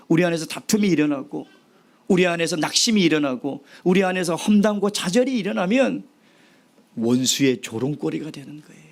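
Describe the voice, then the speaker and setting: A man preaching a sermon as pastor, asking the congregation rhetorical questions and dropping now and then to a whisper. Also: a little high. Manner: animated preaching with sudden drops to a whisper.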